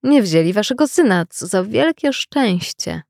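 A woman voicing excited village neighbors who loudly announce good and bad news. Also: medium pitch, vocal fry, dry recording, clean studio sound. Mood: exclaiming. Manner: slow, raised exclamations.

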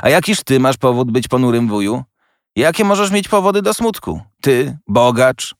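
A man voicing a cheerful, warm-hearted young man who talks quickly and eagerly. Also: medium pitch, big pitch swings, no room sound, studio quality, voice pushed up.

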